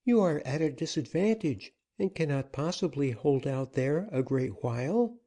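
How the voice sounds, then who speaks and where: An anxious young woman pleads breathlessly in a storybook tale, put on by a male narrator. The voice sits raised above his own, soft and mellow in tone. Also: on the high side, expressive, normal speed, voice pushed up. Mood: pleading.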